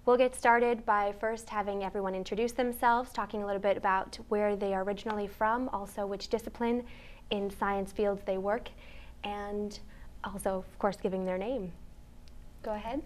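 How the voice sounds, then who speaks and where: A woman's voice: medium pitch, steady tone, moderate pace. A woman moderating a panel discussion with upbeat, encouraging remarks. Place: panel discussion for community television.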